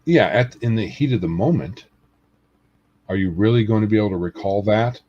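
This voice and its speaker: Very deep, husky man, hesitant podcast co-host on dull lo-fi audio. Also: expressive, a little fast, mellow. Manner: hesitant, many fillers. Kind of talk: casual podcast chat.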